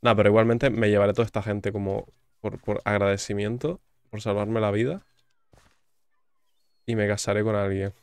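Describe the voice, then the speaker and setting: A fairly low, steady male voice with a clean tone and moderate pace delivers joking, conversational commentary over a video game, reading its text aloud along the way. The speaker is a gaming YouTuber with a Spain Spanish accent, and there's no room sound.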